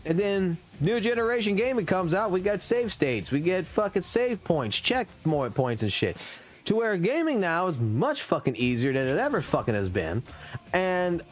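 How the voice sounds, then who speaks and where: A man's voice: sits high, very animated, normal speed. A man in his thirties ranting profanely and emphatically on a casual gaming livestream, talking into a desk mic at a home streaming setup. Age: 30s.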